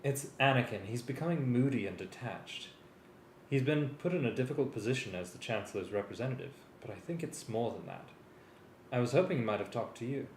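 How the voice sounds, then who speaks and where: A man talking casually and hesitantly, thinking aloud as he works and sometimes reading from a script. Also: on the low side. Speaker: music arranger preparing a live table read. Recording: echoey room with faint noise.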